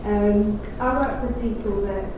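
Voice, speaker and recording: A woman's voice: mid-range voice, unhurried. A woman in the audience asking a thoughtful, slightly hesitant question. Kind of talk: question from the floor. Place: lecture room with audience. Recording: distant, echoey, noisy hall.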